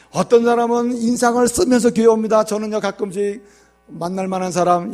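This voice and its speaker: High-voiced man preaching a sermon. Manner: asks the congregation questions, tells jokes. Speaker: pastor. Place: church sanctuary.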